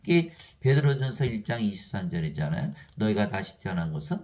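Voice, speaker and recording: An older man giving a Bible teaching sermon. He reads verses in an even recital tone and argues with exasperated rhetorical questions. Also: fairly low pitch, brisk. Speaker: lay preacher.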